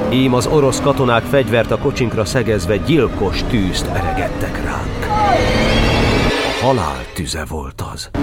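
An actor playing a solemn Catholic cardinal who recalls his ordeals in declamatory, measured verse in an audio drama. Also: medium pitch, lightly acted. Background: background music.

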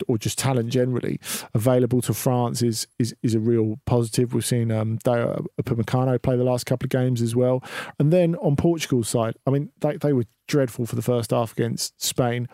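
A man analysing football on a podcast in a measured way, with a few repeated words. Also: mid-range voice, fairly even intonation, dark tone, no echo, studio quality. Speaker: football pundit. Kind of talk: casual podcast discussion.

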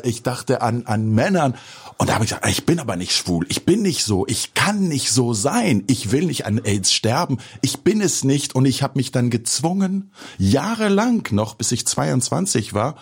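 A man's voice: mid-range voice, slightly rough. A man, a filmmaker speaking reflectively with many hesitations in an interview. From Geneva, Switzerland. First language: French. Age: 40s. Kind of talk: personal interview.

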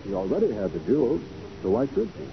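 Confident american detective, 40s radio drama, swingy animated pitch, dull old recording. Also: male voice, fast talker, vocal fry, heavily acted. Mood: confident, explaining. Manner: confident, explanatory, showman-like. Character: shrewd, self-assured male private detective. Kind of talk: 1940s radio acting. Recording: muffled, noisy 1940s radio recording.

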